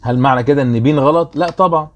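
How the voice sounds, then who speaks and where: A young man with an Egyptian Arabic accent and a mid-range voice talks very fast as a German teacher explaining a worksheet. He's chatty and often checks that his students are following.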